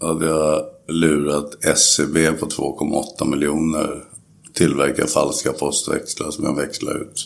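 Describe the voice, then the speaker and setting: A man's very deep, low voice at a very slow pace, monotone and flat, over noticeable background noise. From Stockholm, Sweden. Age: 60s. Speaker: carpenter and biker club member. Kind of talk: interview, life story. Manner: halting.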